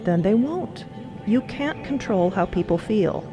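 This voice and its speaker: A woman's voice: mid-range voice, lively intonation, unhurried, over music, close to an everyday voice. A woman playing a no-nonsense grandmother and sword mentor in an audio drama, firm and reassuring. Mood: firm reassurance. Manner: firm, reassuring, matter-of-fact. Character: steady, no-nonsense old granny and sword mentor.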